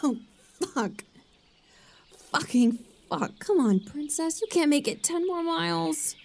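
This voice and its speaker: A sardonic, defiant woman doctor in a supernatural audio drama. Her voice sits fairly high and she speaks with wry, profane emphasis. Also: expressive, takes it slowly, vocal fry, heavily acted. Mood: frustrated, muttering.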